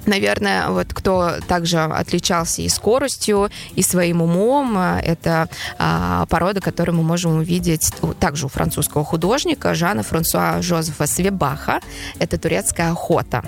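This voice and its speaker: A woman guiding listeners through paintings in a halting way, with many filler sounds between phrases. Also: fairly low pitch, steady tone, gravelly, faint music behind. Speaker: art guide. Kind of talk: explaining paintings in a chat show.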